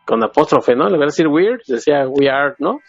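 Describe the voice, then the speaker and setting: A man hosting a casual podcast, relaxed and asking his co-host questions. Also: on the high side, brisk, dry recording, muffled recording, faint music behind.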